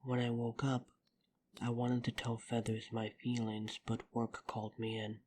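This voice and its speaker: Woman as slow, low-key, earnest vampire. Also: level tone, darkish tone, a little hiss or hum. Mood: wounded, reflective. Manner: hesitant, sincere, halting. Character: earnest, wounded female vampire on trial, in love. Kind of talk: dramatic audio roleplay acting.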